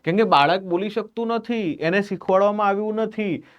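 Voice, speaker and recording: A man giving an animated exam-prep lecture, acting out examples as he explains. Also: sits high, brisk, lo-fi sound. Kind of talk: classroom lecture.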